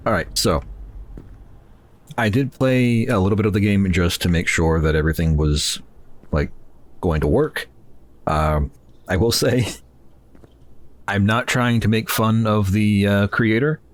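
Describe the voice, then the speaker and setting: A man's voice: lowish voice, a little slow, pauses often, no room sound. Rambling man playing a horror game. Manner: rambling, self-mocking, reads in-game text aloud. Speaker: gaming channel host. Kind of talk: casual let's play commentary.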